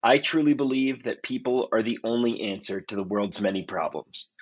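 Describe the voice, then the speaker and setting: A man hosting a podcast, reading a scripted intro and asking questions in a measured, courteous way. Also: on the low side, lo-fi sound. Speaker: podcast host.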